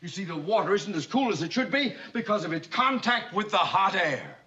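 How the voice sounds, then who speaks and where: A pompous bank president who fusses and stammers whenever he is flustered. His voice is bright and sharp-edged, slightly high for a man. The sound is a dull 1960s television soundtrack with a light hiss. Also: very animated, a little fast, exaggerated voice. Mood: fussy. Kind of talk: 1960s sitcom acting.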